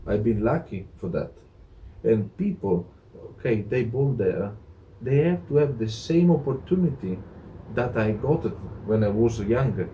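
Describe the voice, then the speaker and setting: A middle-aged Italian man with an Italian accent, a hotel director talking as an interview guest, halting with many fillers and restarts. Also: lowish voice, expressive, warm tone, a little hiss or hum, poor audio. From Italy. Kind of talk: casual interview chat.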